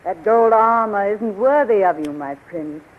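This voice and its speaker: A woman's voice: mid-range voice, a little slow, natural voice. An actress playing a seductive, imperious wicked queen in a 1930s radio serial, coy and commanding. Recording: muffled, lo-fi 1930s radio recording.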